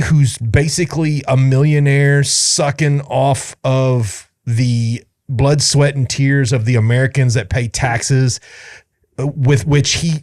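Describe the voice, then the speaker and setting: Podcast co-host, male, mid-pitched, blunt and emphatic, dry close recording. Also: a little mellow, no echo. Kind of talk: casual political chat.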